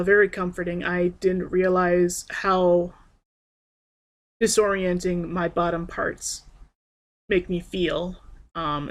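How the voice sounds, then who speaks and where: A young trans man rambling in a personal video diary, hesitant and soft-spoken with frequent pauses and restarts. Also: high-pitched. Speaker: vlogger.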